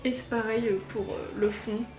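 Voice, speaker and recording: A woman's voice: a little high, steady tone, normal speed, a little mellow, soft background music. A woman from chats casually and gushes with enthusiasm while unboxing. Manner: gushing, enthusiastic. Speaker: unboxing vlogger.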